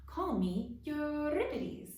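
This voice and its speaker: A grand storybook frog thespian, male and courtly, acted out by a woman. The delivery is stately and declamatory, with drawn-out words and elaborate diction. The voice sits fairly high and is picked up in an echoey room, away from the mic. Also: sing-song, a little mellow, full character voice. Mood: practicing, grand. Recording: roomy echo, distant mic, faint noise.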